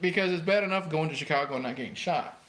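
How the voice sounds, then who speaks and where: A man's voice: on the high side, fast, fairly bright tone. A man co-hosting a casual livestream, teasing his friend and laughing along. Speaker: livestream co-host.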